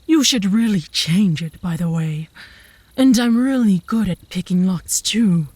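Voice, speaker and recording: Woman acting as a lovesick werewolf, smug, teasing, seductive, mellow soft-edged voice, slightly breathy, ASMR roleplay. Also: lowish voice, dry recording.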